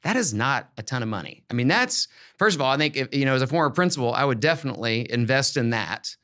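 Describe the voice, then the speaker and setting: A former school principal, now a middle-aged American podcast host, explains topics in an upbeat, emphatic, conversational manner. His mid-range voice is bright and forceful, quick-paced, with lively intonation.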